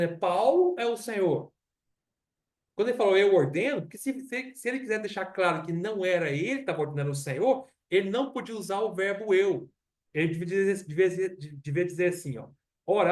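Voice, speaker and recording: A man's voice: high-pitched, recorded from a distance. A man with a Brazilian accent preaching a Bible study in church, teaching conversationally, asking rhetorical questions and repeating himself. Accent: Brazilian Portuguese. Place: church hall.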